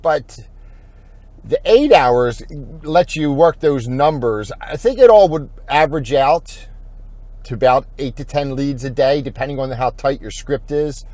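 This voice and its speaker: A man talking through an informal corporate training video as an insurance agent, thinking aloud in a halting, rambling way. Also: medium pitch, animated, a little mellow, no room sound.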